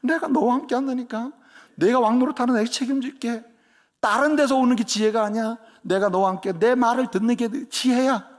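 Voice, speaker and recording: A man voicing God, who speaks calmly and reassuringly to a sleeping person. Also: extremely high pitch, brisk. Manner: calm, assuring, fatherly.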